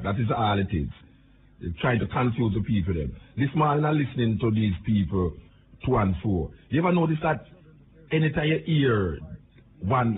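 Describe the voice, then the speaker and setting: A Jamaican man giving a rambling, indignant political rant. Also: lowish voice. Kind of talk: political commentary monologue. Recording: tinny phone-like audio with noise.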